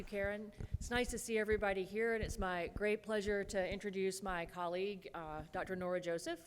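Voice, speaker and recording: A woman introducing a speaker from the podium, brisk and pleased, in a slightly low voice. The sound rings with long hall reverb. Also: slight background noise. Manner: warm, brisk, occasional self-corrections. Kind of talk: formal introduction. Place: lecture hall.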